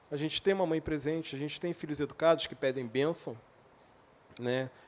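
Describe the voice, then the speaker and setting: This is an ordinary speaking voice. It goes at a fairly quick pace with fairly even intonation. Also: man. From Rio de Janeiro, Brazil. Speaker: comic book artist. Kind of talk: panel discussion.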